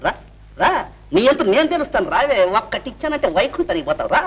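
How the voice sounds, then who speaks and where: An actor playing a jealous, bullying husband in 1960s film melodrama, sneering and quick to shout. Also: male voice, very high voice, sing-song, muffled recording, full character voice. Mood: taunting. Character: bullying, jealous husband who taunts his wife. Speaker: film villain.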